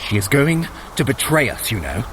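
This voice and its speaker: An actor playing a sly, haughty, irritable Norse trickster god in an audio drama, sardonic and theatrical. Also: male voice, mid-range voice, sing-song, normal speed, natural voice. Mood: exasperated, scornful. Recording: noticeable outdoor ambience noise.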